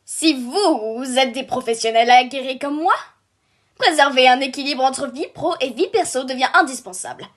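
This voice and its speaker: A woman's voice: high voice, expressive, moderate pace. A woman playing a female robot squad leader in a cartoon fan dub, chirpy with office jargon and brittle professional composure. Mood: brisk, confiding. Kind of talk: scripted fan dub of an animated series.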